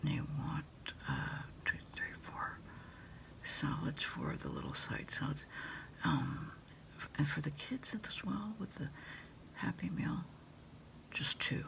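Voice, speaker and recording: A middle-aged woman in a quiet ASMR roleplay as an order taker, murmuring in a halting, breathy whisper. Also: low-pitched, wildly swooping pitch. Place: small indoor room at a desk.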